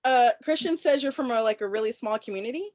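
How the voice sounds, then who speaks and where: An awkward young woman, played by a woman at a table read in a film drama. She speaks in a fairly high, halting voice with nervous politeness. The sound is close and dry, with no room around it. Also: animated, a little mellow, no echo, close to an everyday voice. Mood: awkward, friendly. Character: awkward, grieving young woman student, politely covering distress.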